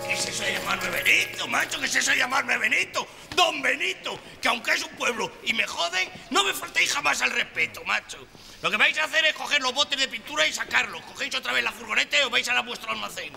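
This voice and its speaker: Brash Spanish sitcom handyman, theatrical, very animated pitch, echoey space with music behind. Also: fast talker, gravelly, heavily acted. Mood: bossy, offended. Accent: Spanish, from Spain. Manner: colloquial, blustering, theatrical. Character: brash, stubborn, slangy handyman, quick to take offence. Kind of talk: broadcast sitcom acting.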